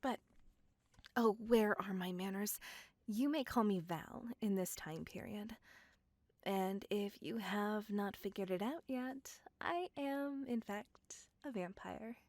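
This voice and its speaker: A woman's voice: mid-range voice, takes it slowly, no room sound. A woman playing Val, a possessive vampire. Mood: courteous. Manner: formal, courteous old-fashioned speech; whispering intimately. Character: possessive, polite female vampire stalker. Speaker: voice actor. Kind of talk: ASMR roleplay.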